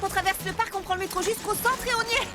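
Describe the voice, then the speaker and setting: A very high, upbeat cartoon girl, brisk and encouraging as she plans the way ahead. Music runs clearly under her lines. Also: fairly even intonation. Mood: determined. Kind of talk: French cartoon dubbing.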